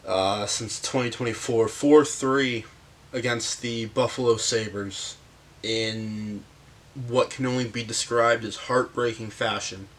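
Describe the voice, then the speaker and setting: Slow-talking sick man breaking down hockey. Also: mid-range voice, steady tone. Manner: halting, with frequent fillers and pauses. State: sick, hoarse voice. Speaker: hockey commentary host. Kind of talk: casual sports breakdown monologue.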